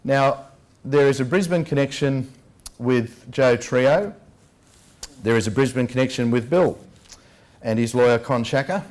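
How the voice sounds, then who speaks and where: An Australian man delivering an investigative lecture in an emphatic, rhetorical manner, leaning on key words with deliberate stress. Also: mid-range voice, darkish tone. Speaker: public speaker, lecturer. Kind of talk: public address, investigative lecture. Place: public talk at a venue.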